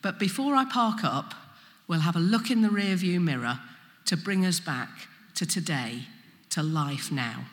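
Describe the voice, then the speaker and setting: Flat-vowelled East Midlands woman preaching. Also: lowish voice. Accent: East Midlands English, Leicestershire. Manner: deliberate, explanatory, emphasising key words. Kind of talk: sermon. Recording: long reverberant hall echo.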